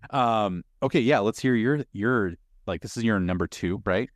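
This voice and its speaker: A man's voice: fairly low pitch, normal speed, dry recording, clean studio sound. A man in his thirties co-hosting a movie podcast, rambling and laughing as he trails off mid-sentence. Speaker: podcast co-host. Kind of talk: casual chat about movies.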